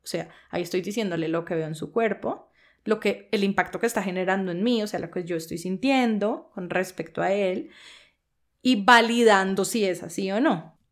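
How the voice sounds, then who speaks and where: A woman's voice: medium pitch, moderate pace. A woman podcast host teaching coaching skills for leaders, explaining step by step and often checking in with a questioning "¿sí?". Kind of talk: instructional podcast talk.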